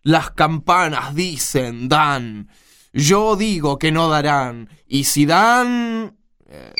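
A man playing a playful, excitable chapel helper in a radio drama, talking colloquially and insistently with a Rioplatense Argentine accent. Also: a little high, background noise, heavily acted. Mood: eager, coaxing.

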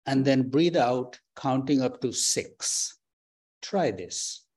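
A man leading a guided breathing meditation, giving slow, calm, soft instructions with long pauses. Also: medium pitch, slightly rough. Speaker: meditation teacher. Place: temple or meditation hall.

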